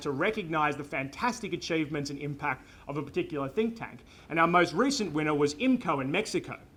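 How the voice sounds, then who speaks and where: The speaker has an Australian accent and talks very fast. The intonation is lively. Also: man. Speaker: think tank network staffer. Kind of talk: conference talk. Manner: animated.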